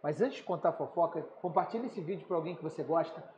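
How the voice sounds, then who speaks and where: A man's voice: a little high, quick pace. A man, a chef co-hosting a podcast, joking and hyping promos. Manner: jokey, hyped promos. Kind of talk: casual podcast chat. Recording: roomy, muffled room, faint noise.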